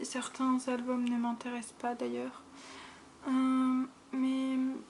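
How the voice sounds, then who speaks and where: A soft-spoken woman with a high voice talks very slowly. Her intonation stays monotone and flat. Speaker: ASMR creator. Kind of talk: ASMR soft-spoken chat.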